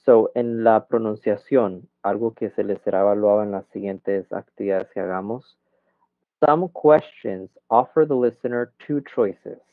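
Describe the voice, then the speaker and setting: A man with a lowish voice teaches an English class online at a measured pace, explaining grammar in Spanish and modeling English questions with exaggerated rising and falling intonation. The audio is thin and phone-like, dry with no room sound.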